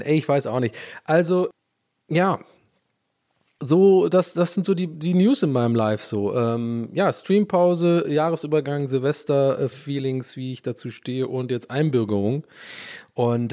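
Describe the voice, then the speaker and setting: An Irish man, English by first language, chatting alone on his podcast. He rambles and curses, mocks himself, and his voice leaps up whenever he jokes. Medium pitch, an ordinary everyday tone. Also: darkish tone. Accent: Irish English speaker talking German. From Ireland. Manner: rambling, self-mocking, swears, jumps in pitch when joking. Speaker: podcast host. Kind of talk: casual solo podcast chat.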